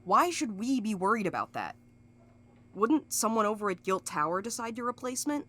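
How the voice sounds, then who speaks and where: Blunt female courier played by an actress, sharp bright tone, very animated, sardonic, for a fiction podcast. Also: medium pitch, moderate pace. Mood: urgent. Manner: blunt, sarcastic. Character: blunt, sardonic woman courier with an impatient streak. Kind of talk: scripted audio drama acting.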